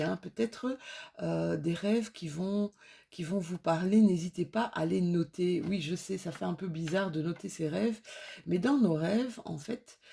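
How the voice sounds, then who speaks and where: Her voice sits lowish, mellow and breathy-edged, with vocal fry. A tarot reader from France with a slight cold, she offers viewers an intuitive reading, calm and reassuring, though she stumbles through many fillers and restarts.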